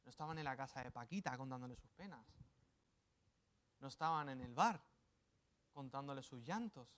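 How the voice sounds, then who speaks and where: Man, pastor, from Spain, sermon, animated, slightly high voice. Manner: animated, playful asides with acted quotes.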